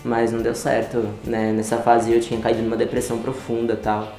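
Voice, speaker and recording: A 19-year-old man with a Brazilian Portuguese accent telling personal stories in a relaxed way, laughing often, recorded in a studio against a grey wall. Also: mid-range voice, brisk, creaky, faint music behind. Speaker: interviewee. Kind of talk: casual personal storytelling. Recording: roomy room sound.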